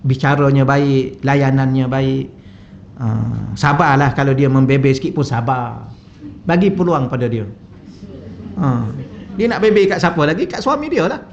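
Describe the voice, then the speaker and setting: A man's voice: mid-range voice, animated, moderate pace, a little hiss or hum. A man with a Malaysian Malay accent, a religious teacher giving a chatty, humorous mosque lecture full of anecdotes, on a wireless mic in a mosque hall. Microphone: wireless microphone. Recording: slightly dull lo-fi sound.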